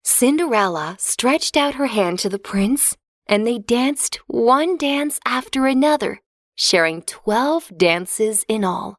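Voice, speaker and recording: A woman narrating a children's fairy tale in a clear, expressive storybook reading. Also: on the high side, slow, no room sound, studio quality.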